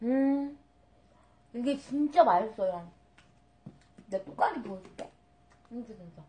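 A woman talks fairly slowly, her pitch rising and falling across a very wide range. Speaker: live streamer. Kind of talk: casual stream chat. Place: home room.

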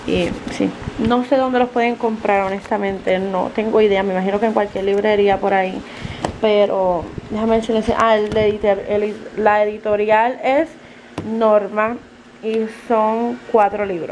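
With a Puerto Rican accent, a woman speaks fairly slowly at a fairly high pitch and with fairly even intonation over noticeable background noise. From Puerto Rico. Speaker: vlogger and homeschooling mom; vlogger. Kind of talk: casual vlog talk. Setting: at home. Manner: soft, quiet speaking. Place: kitchen. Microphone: phone near.

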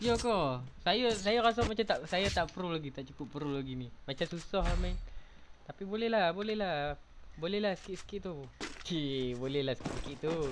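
This man has a high voice with lively intonation. He speaks at a moderate pace. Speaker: gaming streamer. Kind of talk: live gameplay commentary. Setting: live stream. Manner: animated.

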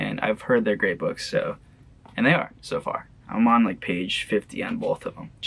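A man talks with a Michigan accent. His pace is moderate. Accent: Midwestern US (Michigan). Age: 20s. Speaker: aspiring actor and vlogger. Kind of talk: casual vlog monologue. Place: home room. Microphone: webcam.

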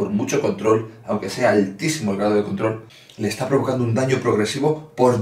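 Audible room echo hangs around the speech. A man talks fairly quickly. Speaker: fitness coach. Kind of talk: casual vlog chat. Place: home room. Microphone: webcam.

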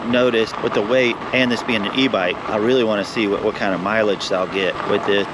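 At a moderate pace, a man talks in a dry recording with no echo and noticeable background noise. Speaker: outdoor gear vlogger. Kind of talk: casual vlog chat. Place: bicycle. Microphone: phone near.

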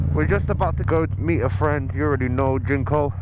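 A man is heard in a dry recording with no echo. Loud background noise runs behind him. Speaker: motovlogger. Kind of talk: casual vlog chat. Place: motorbike. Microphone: helmet.

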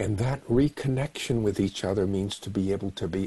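Somewhat breathy, a man's voice carries a dark, mellow tone and a soothing, calm manner. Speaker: physician and meditation teacher. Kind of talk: guided meditation; webinar talk. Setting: webinar recording. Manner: slow, soothing, calm; conversational, rambling with fillers. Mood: warm, gentle, reflective. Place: home room. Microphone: webcam.

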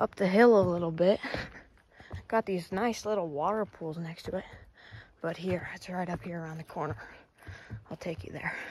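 Recorded dry with no echo, a woman speaks at a moderate pace. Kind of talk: casual vlog chat. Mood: relaxed, cheerful. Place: forest. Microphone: phone near.

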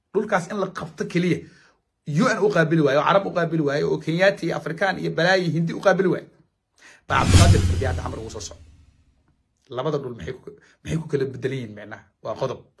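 Against noticeable background noise, the speaker talks at a fairly quick pace with very wide pitch swings. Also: man, fairly high pitch for a man. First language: Somali (speaking Arabic). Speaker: political commentator. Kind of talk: political commentary monologue. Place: home room. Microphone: phone near.

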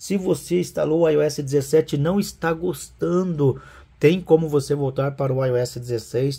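Dark and mellow in tone, a man's somewhat breathy voice holds a fairly high pitch with fairly even intonation. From Brazil. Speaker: tech YouTuber. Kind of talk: tech review vlog. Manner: casual, conversational. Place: home room. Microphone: phone near.

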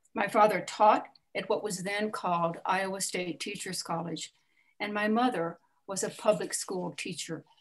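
Against a quiet background, a woman talks at a moderate pace in a somewhat breathy voice with ordinary pitch variation. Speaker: panelist. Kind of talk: prepared speech. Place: home room. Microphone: video call.

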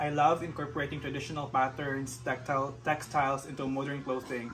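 A man talks fairly quickly while light noise sits in the background. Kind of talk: interview answer. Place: home room.

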